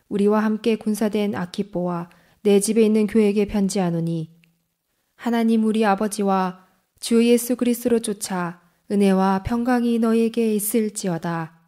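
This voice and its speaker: Woman calmly reading scripture, mellow voice. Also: medium pitch. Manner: slow, even, solemn reading. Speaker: Bible reader.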